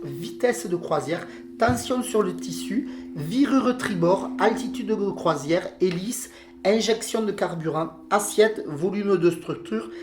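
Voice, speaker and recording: A podcast co-host with a southern French accent reads out a report in an animated mid-range voice at a measured pace. When speaking freely she hesitates with fillers, and the home podcast recording sounds roomy.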